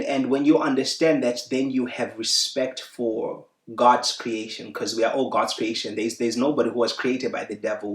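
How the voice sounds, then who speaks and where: A man on a discussion panel speaks in a measured, preachy way. His voice sits at a middle pitch. It sounds distant and roomy, as if he is far from the mic. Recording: echoey room from far off.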